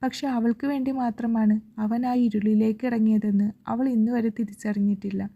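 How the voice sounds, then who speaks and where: Storybook role: sorrowful older mother, read by a woman, soft slow delivery, dull sound. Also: a little high, level tone.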